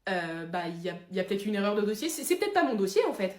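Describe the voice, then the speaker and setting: Flustered stammering accountant in heaven, lower voice, a woman acting it, roomy. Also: very animated, rapid-fire, a little mellow, lightly acted. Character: nervous dull male accountant, dead.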